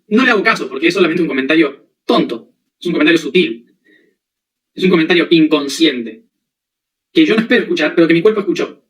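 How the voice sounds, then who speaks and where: A man's voice: a little high, fairly bright tone, recorded from a distance, rough recording. A man giving a spiritual lecture, explaining with everyday examples and often checking that listeners follow. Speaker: spiritual teacher.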